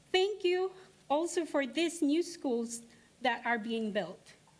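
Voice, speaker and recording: Very slowly, a woman speaks with a Filipino accent. Her pitch swings very widely. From Philippines. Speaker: parent speaking at public comment. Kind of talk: public comment statement. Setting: school board meeting room.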